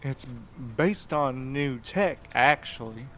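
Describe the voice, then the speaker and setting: A man's voice: medium pitch, lively intonation, slow, a bit bright, slight background noise. A man playing a jaded, slangy internet cafe owner in an audio drama, with a brash, casual way of talking. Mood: offhand, impatient. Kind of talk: naturalistic audio drama acting.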